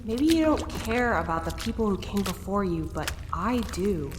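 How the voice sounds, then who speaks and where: A woman's voice: mid-range voice, big pitch swings, normal speed, roomy sound, long reverb tail, noisy background, lightly acted. A woman playing an earnest, determined idealist in an audio drama, speaking with an insistent manner. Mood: earnest, indignant.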